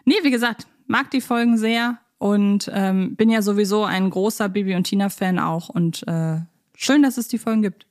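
A woman talks as a podcast co-host. Her voice sits at a middle pitch for a woman, and she chats casually, wandering through long asides as fans do. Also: moderate pace, darkish tone. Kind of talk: casual fan podcast discussion.

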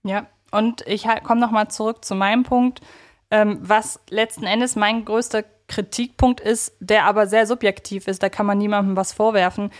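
Female podcast co-host, medium pitch, conversational, reflective, qualifies what she says. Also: fairly even intonation, normal speed.

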